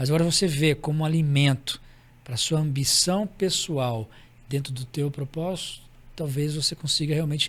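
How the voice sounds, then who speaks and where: The man's voice sits fairly high in pitch. It is somewhat breathy. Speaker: business executive and leadership speaker. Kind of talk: podcast interview. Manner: fast; animated.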